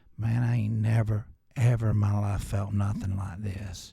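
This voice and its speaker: Using a put-on character voice, a man talks at a moderate pace with a fairly low pitch and a monotone, flat intonation. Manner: soft-spoken.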